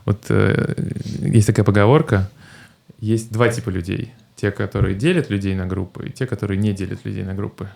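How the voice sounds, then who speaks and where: A middle-aged man hosting a casual group podcast, joking and laughing often, halting with fillers. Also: on the low side, steady tone, creaky, darkish tone. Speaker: podcast host.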